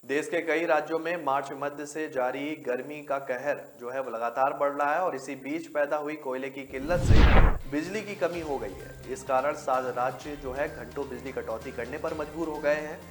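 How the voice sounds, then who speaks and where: A man's voice: on the high side, moderate pace. A man reading a scripted news bulletin as the anchor, with music behind him.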